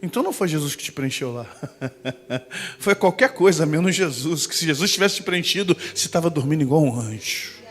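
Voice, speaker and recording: A man preaching a Pentecostal sermon with a Brazilian Portuguese accent, emphatic, swinging from soft asides to shouting. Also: fairly high pitch, sing-song, brisk. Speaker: pastor. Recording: long reverb with faint music.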